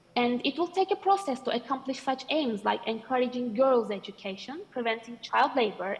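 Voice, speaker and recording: A woman in a Turkish accent, high-pitched, at a moderate pace over noticeable background noise. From Turkey. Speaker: academic researcher. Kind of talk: conference presentation. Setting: video call.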